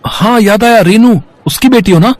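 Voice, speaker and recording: A man's voice: sits high, moderate pace, dry recording, lightly acted. A man performs a spoiled young heir from a moral tale. He is arrogant, mocking and whiny about what he is owed, sprinkling English into his speech. The sound is close and dry. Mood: mocking, smug. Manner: mocking, whiny, entitled, mixing English words into Hindi. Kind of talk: dramatised Hindi story acting.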